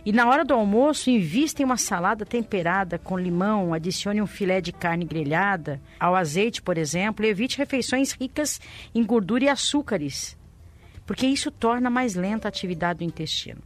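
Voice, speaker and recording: A woman's voice: mid-range voice, lively intonation, fairly quick. A woman with a Brazilian accent co-hosting a radio show, chatting and explaining things in a casual way. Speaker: radio co-host. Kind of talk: casual radio chat with health tips. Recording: music under the voice. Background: background music.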